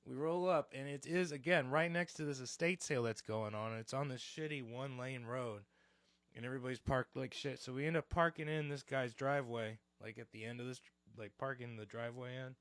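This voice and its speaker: A man co-hosting a podcast, telling a story in casual chat, animated and profane, acting out the quotes. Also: mid-range voice, brisk, no echo. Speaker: podcast co-host.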